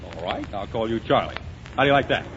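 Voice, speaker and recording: A man hosting a 1930s radio comedy show, with brisk, wisecracking emcee patter. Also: fairly low pitch, animated, lo-fi sound. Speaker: host. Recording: scratchy 1930s radio broadcast with hiss.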